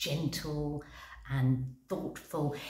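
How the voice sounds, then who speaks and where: A woman at a very slow pace amid audible room echo. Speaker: book reviewer. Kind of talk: casual vlog chat. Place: home room. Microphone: phone near.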